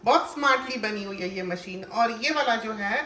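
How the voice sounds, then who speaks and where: A woman's voice: mid-range voice, moderate pace, bright, forceful tone, a little hiss or hum. A woman hosting a home cooking channel, chatting casually as she explains and demonstrates a kitchen appliance with lots of fillers. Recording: echoey room with faint ambience.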